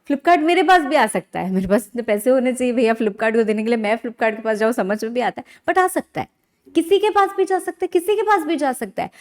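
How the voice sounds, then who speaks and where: An Indian woman lecturing conversationally as a law teacher, often asking questions and answering them herself in an animated teacherly way. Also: high-pitched. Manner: animated teacherly, asks and answers own questions, frequent check-ins. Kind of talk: conversational online lecture in mixed Hindi and English.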